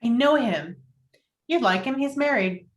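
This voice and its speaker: A woman's voice: a little high, animated, a little slow. An actress playing Sally's part in a romantic comedy table read, an earnest and particular newly single woman. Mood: matter-of-fact. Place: indoors, virtual video-call table read.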